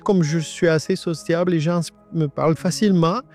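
A man in his nineties gives a halting personal testimony in a radio interview. His voice is disguised by an AI voice changer. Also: fairly high pitch, steady tone, darkish tone, faint music behind. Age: 90s. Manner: halting, with many restarts and repetitions. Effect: voice altered by an AI voice changer.

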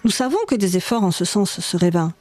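A guarded, tired school director speaks in a lecturing, patient tone, as a woman reader puts him on. The voice sits fairly high and mellow, close and dry. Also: a little fast, no room sound, natural voice. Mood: conciliatory. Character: weary male school director, middle-aged, guarded. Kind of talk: read-aloud memoir dialogue.

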